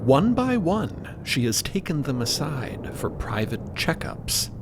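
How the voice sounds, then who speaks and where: A man's voice: a little high, sing-song, slow, noisy background. A man reading scripted narration for an audio drama as its narrator.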